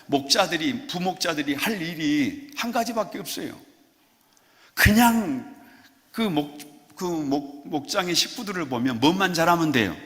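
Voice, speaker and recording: A male pastor preaching a sermon in a playful, animated way, coaxing the congregation to answer him. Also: a little high. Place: church sanctuary. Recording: long church hall reverb.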